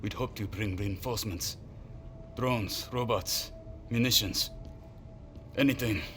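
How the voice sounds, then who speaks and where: An actor playing a weary, courteous male army lieutenant who speaks in a formal, measured way. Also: lowish voice, a bit bright, slight background noise. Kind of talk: video game cutscene acting.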